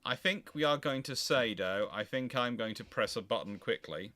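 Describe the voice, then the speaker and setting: A man's voice: medium pitch, lively intonation, normal speed, sharp tone. A man hosting a history live chat, talking casually and technically, often repeating words and restarting his phrases.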